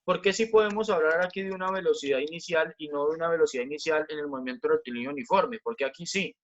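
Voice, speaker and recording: A man's voice: fairly high pitch, fast talker, lo-fi sound. A man teaching a physics class online, explaining step by step, repeating key points and asking the students questions.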